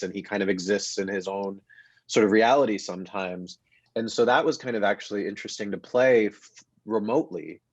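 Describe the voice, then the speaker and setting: A man with a lowish voice talks reflectively and haltingly in a relaxed panel discussion. The recording is dry and a bit dull, as if over a video call. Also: no room sound. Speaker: actor, panel guest. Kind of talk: casual panel conversation.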